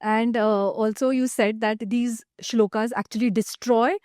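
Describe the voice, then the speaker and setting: A woman's voice: fairly high pitch, fairly even intonation, unhurried, darkish tone, no room sound, clean studio sound. A woman with an Indian English accent hosting a podcast, asking questions and giving short, attentive replies. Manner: attentive, brief affirmations and questions. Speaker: podcast host. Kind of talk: podcast interview.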